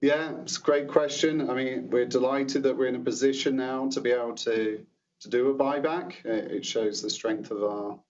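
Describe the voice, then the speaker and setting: A man answering analysts as a company executive on an earnings call, in measured, careful business talk. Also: medium pitch, fairly even intonation, darkish tone. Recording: dull, roomy conference call, distant mic.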